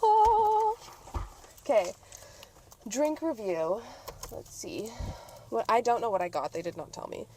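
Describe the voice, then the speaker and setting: Female podcast host, higher voice, chatty and playful, casual banter, recorded out and about over clear vehicle noise. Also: very animated, measured pace, long pauses, warm tone. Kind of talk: casual chat. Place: on the go, around parking lot and car. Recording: noisy on-location recording with vehicle ambience. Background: clear ambient and vehicle noise.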